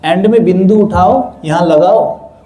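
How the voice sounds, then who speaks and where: Young male spiritual speaker, high warm voice, animated, keeps asking the audience to call back. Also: a little slow. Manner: lively, asks the audience to answer aloud. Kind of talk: spiritual talk to a live audience.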